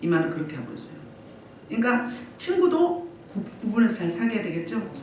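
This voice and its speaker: A woman's voice: mid-range voice, sing-song, a little fast, a little mellow, slight background noise. A woman pastor preaching a Sunday sermon and pressing the congregation with repeated rhetorical questions. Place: church sanctuary. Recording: echoey room from far off.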